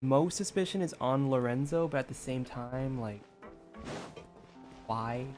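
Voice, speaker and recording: A man's voice: medium pitch, a little slow. A man giving informal let's-play commentary, thinking aloud casually over game music. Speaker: video game streamer.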